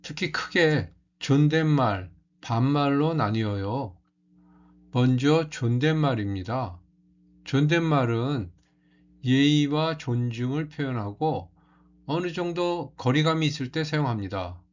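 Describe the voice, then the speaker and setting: A man teaching as a language teacher, explaining culture in a calm, measured way. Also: mid-range voice, muffled recording.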